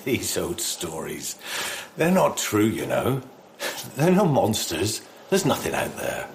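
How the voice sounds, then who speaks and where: A man's voice: fairly low pitch, wildly swooping pitch, takes it slowly, gravelly, a little hiss or hum, exaggerated voice. An actor playing a protective, reassuring father of a young boy in a horror audio drama. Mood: gentle, reassuring. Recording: roomy sound over music.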